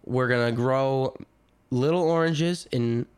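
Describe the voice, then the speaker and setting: A young man guesting on a comedy podcast, stammering often and cracking deadpan jokes. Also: medium pitch, slow, clean tone. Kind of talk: casual comedic chat.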